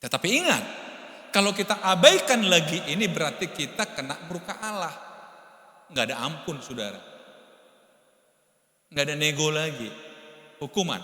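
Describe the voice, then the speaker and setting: Male pastor, high and piercing voice, animated sermon delivery, big echoey church hall. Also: moderate pace, pauses often. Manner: animated preaching, jumps between hushed asides and loud exclamations.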